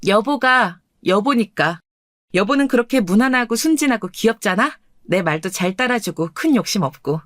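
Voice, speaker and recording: A woman voicing a calm, confident and teasing wealthy wife in a dramatized radio story. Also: mid-range voice, moderate pace, dry recording, clean studio sound, close to an everyday voice. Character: rich, self-assured young wife.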